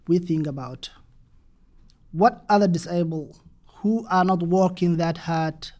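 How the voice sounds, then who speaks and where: This panel presenter is a young man from Somalia using English as a second language. He pauses and restarts as he speaks very slowly, in a fairly high voice that still sounds soft and dark.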